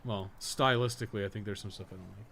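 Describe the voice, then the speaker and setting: Male game streamer, lowish voice, casual rambling commentary, slangy and profane, audible ambient noise behind. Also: fairly even intonation, fast, creaky, fairly bright tone. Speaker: game livestreamer. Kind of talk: casual gameplay commentary, chatting while playing.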